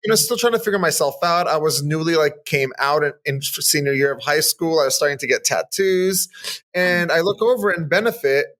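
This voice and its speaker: Brisk and animated, with a slightly high, somewhat bright voice, a makeup artist in his thirties from Southern California chats upbeat in a casual podcast interview, using lots of casual fillers.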